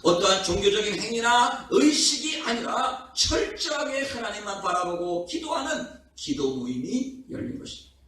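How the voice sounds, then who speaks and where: High-pitched pastor preaching in an echoey hall. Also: male voice, very animated, normal speed, bright, forceful tone. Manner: rising, impassioned preaching with rhetorical questions. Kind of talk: revival sermon. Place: prayer house worship hall. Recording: echoey hall from far off, faint noise.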